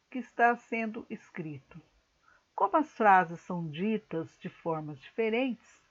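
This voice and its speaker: A woman teacher giving a recorded lesson to a school class, explaining slowly and carefully with examples. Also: medium pitch, lo-fi sound.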